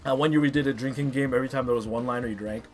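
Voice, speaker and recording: A man's voice: mid-range voice, steady tone, racing, faint music behind. A man around his thirties or forties giving casual, opinionated countdown commentary as an enthusiastic fan and online review host.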